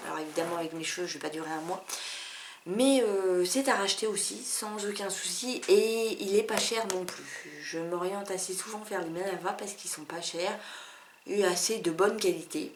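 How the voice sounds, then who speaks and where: A woman's voice: fairly low pitch, normal speed, slight background noise. Chatty woman reviewing beauty products. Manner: chatty, candid, many fillers and asides. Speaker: beauty vlogger.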